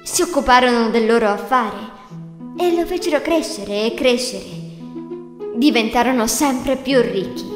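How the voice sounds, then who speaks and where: A woman's voice: a little high, measured pace. A woman reading a scripted fairy tale as the narrator. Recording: echoey hall reverb, music behind. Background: music.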